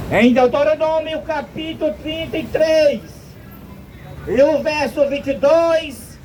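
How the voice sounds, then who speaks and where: A man from Brazil preaching a slow, emphatic street sermon outdoors, quoting scripture at length. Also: very high-pitched, slight background noise, rough recording.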